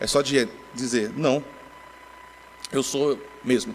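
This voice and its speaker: Over noticeable background noise, a man speaks at a fairly high pitch with fairly even intonation. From Brazil, Northeast (Natal). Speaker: pastor. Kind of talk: sermon. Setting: church.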